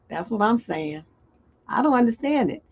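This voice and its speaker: A fairly high, very animated woman's voice comes through a little slowly, creaky, husky and a touch mellow. As a relationship coach hosting a live call-in stream, she chats loosely and reads viewer comments aloud over dull lo-fi stream audio.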